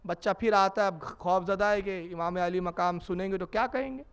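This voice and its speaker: A preacher with a high voice tells a story in a religious sermon. His narration is dramatic and repeats phrases for effect. His tone is smooth and resonant. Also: normal speed.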